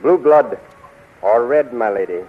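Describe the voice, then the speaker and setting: Male actor for flirtatious mystery swordsman, florid delivery, medium pitch, vintage radio serial. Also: animated, unhurried, slight background noise, lightly acted. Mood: gallant, daring. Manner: florid, theatrical, swaggering. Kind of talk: 1930s radio serial acting. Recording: tinny 1930s radio recording.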